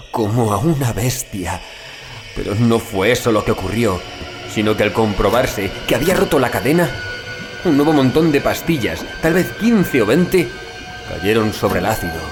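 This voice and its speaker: A male narrator delivers a horror audiobook with dramatic gravity. His phrasing is deliberate and literary, and his pitch rises and falls widely around a medium register. Music plays clearly behind his voice. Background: background music.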